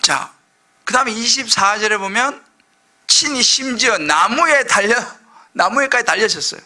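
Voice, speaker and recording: Impassioned high, bright-voiced preacher man. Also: lively intonation, moderate pace. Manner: impassioned preaching that swings from loud outbursts to hushed asides. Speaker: senior pastor. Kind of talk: sermon.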